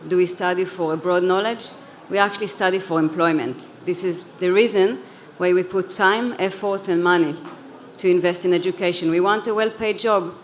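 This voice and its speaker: A woman who heads an education organization speaks earnestly as a panelist in a conference hall. She grew up in Israel, and her lowish voice stays steady at a moderate pace, with a few restarts and repeated words.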